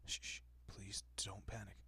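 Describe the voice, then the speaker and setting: Man acting soft, low, breathy gentleman vampire. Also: level tone, measured pace, dry recording, exaggerated voice. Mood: coaxing, tender. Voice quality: soft, breathy, often dropping to a whisper. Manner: hushed, reassuring, politely old-fashioned. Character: gentle, courteous wealthy male vampire, soothing and possessive. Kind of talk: intimate audio roleplay, addressing the listener.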